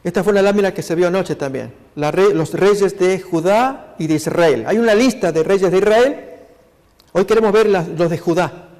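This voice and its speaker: A man's voice: high voice, moderate pace, darkish tone. A man pastor preaching a sermon over slides, earnestly addressing his congregation. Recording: long hall reverb.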